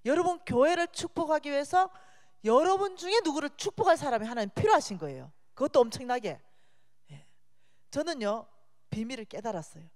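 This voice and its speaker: A woman giving a sermon as a guest speaker in a church, animated and chatty, joking with the congregation. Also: high voice, a little fast. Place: church sanctuary. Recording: long reverb of a church hall.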